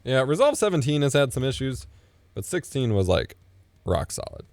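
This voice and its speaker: A man in his thirties live-streaming from his home setup as he edits video, thinking out loud and muttering asides under his breath. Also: mid-range voice, big pitch swings, moderate pace, no room sound. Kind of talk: casual live-stream commentary while video editing. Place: home streaming room, indoors. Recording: dry close mic with faint music.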